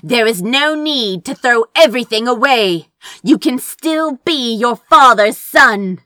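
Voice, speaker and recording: A woman's voice: on the high side, animated, takes it slowly, bright, forceful tone, dry recording, clean studio sound, voice pushed up, exaggerated voice. A woman voicing a stern, commanding demon lord in an audiobook, speaking formally and imperiously.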